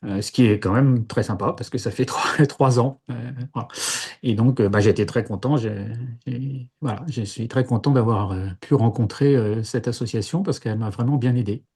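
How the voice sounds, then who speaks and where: Hesitant mellow-voiced Frenchman in his sixties. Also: mid-range voice, moderate pace, slightly rough. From Paris, France. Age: 60s. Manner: hesitant, many fillers and restarts. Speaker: interviewee, former seminarian. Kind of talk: casual interview testimony.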